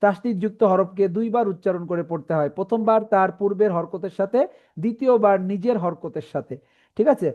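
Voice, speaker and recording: A woman teaching a Quran reading class, spelling out letter combinations slowly and often checking in with her students. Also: medium pitch, phone-quality sound. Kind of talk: online class lesson.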